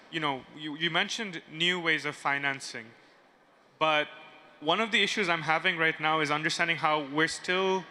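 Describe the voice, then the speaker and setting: Bright-voiced young man asking a question. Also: a little high, slight background noise. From Bangladesh. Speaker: audience member asking a question. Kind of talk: audience question at a panel.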